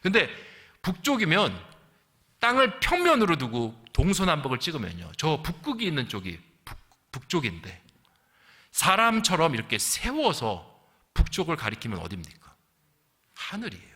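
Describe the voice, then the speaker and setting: Middle-aged pastor guy preaching, pitch swings all over, voice rings out in a big church. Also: moderate pace. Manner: lively teaching sermon, asks the congregation questions. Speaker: senior pastor. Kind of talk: sermon. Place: church sanctuary. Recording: long hall reverb.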